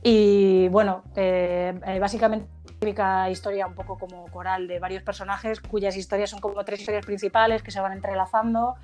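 A woman's voice: mid-range voice, flat delivery, moderate pace, darkish tone, soft background music. A woman tattoo artist, a guest chatting casually on a podcast, swearing and laughing easily.

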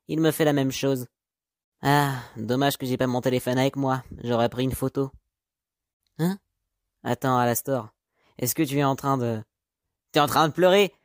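A man's voice: medium pitch, dry recording, clean studio sound, close to an everyday voice. A man voicing a sassy, slangy, teasing gay demon who grew up in the mob, in a French fan comic dub. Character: sassy, crude, teasing gay male spider demon ex-mobster.

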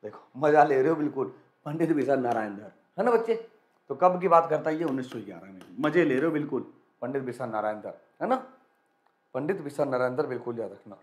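A young male teacher running a live quiz lesson, energetic and repetitive, urging students to answer quickly. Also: mid-range voice, roomy sound. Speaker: online exam-prep teacher.

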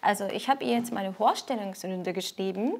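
A young woman from Japan with a Japanese accent, a teacher explaining casually in careful, halting phrases. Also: medium pitch, vocal fry. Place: indoor Japanese-style room.

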